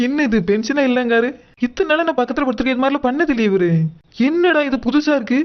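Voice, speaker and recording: An actor plays a suspicious, bossy cartoon mother with a very high voice. She rattles out scoldings and mutterings. The sound is muffled and lo-fi. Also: fast talker, natural voice. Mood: puzzled, grumbling. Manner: scolding, muttering, name-calling. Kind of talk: cartoon dub dialogue.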